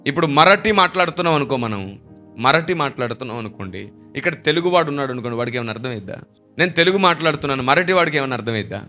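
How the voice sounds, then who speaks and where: A man's voice: mid-range voice, lively intonation, very fast, pushed and bright, soft background music. A man preaching a sermon, emphatic and repeating phrases for stress. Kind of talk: Telugu sermon.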